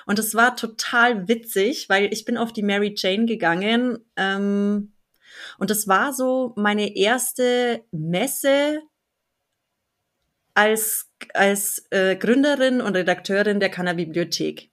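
A woman's voice: medium pitch, takes it slowly, fairly bright tone. A woman in her thirties from the Allgäu in southern Germany, speaking earnestly and enthusiastically as an interview guest. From Allgäu, Bavaria, southern Germany. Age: 30s. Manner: enthusiastic, earnest, laughs easily. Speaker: interview guest, blog founder and editor. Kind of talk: conversational podcast interview.

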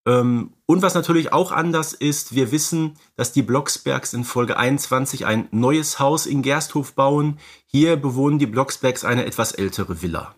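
A man's voice: medium pitch, normal speed, hardly any pauses. A man co-hosts a podcast, casually explaining and discussing films in a conversational way. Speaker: podcast co-host.

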